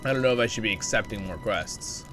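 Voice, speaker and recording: A man's voice: fairly low pitch, animated, fast, music in the background. A man hosting a casual game stream, chatting with viewers while recovering from a cold.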